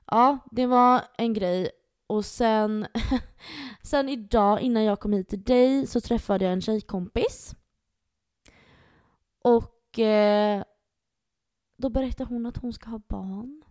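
A young woman co-hosting a casual podcast chat, telling stories with plenty of swearing and lively retellings. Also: on the high side, pauses often, no room sound, studio quality. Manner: storytelling, swearing, animated retellings. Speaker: podcast co-host.

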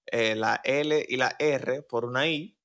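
Male podcast co-host with a Dominican accent. Medium pitch, casual and slangy, swapping stories and banter. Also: slow pace, a bit bright. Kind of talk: casual storytelling chat.

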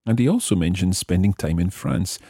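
A man's voice: deep voice, lively intonation, moderate pace, creaky, dark tone, breathy edge, dry recording, clean studio sound. A man hosting a language lesson, explaining and repeating phrases for learners in scripted teaching narration.

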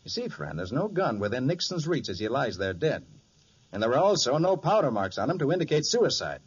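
An actor playing a confident, sharp private detective in a 1940s radio crime drama, explaining things in an assured, emphatic way. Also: male voice, mid-range voice, very animated, fairly quick, slightly rough. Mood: stern, triumphant. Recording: dull lo-fi 1940s radio recording.

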